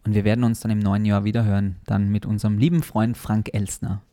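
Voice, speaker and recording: A man's voice: fairly low pitch, level tone, quick pace, mellow. Upbeat man co-hosting a podcast. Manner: upbeat, addresses listeners directly. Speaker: podcast co-host. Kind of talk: casual podcast chat.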